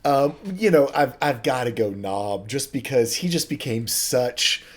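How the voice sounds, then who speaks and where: A man's voice: medium pitch, lively intonation, measured pace. Rambling man game master, casual chat. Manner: rambling, self-deprecating, many fillers. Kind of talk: casual cast chat about a tabletop game.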